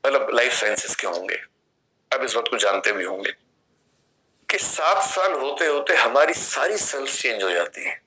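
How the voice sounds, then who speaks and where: A man's voice: medium pitch, bright, forceful tone, low-quality recording. A man in his fifties with an Indian accent, giving a classroom lecture and explaining through questions and vivid examples. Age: 50s. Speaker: philosophy teacher.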